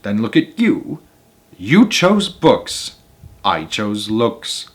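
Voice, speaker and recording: A man's voice: lowish voice, big pitch swings, very slow, husky, full character voice. A man voicing a vain, smug, middle-aged housewife in a storybook, snappish and scornful. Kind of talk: storybook read-aloud character voice.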